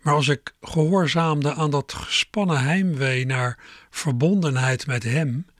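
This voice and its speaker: A middle-aged man reading a first-person story aloud in a calm, measured, reflective manner. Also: a little high, no echo, studio quality. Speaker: narrator.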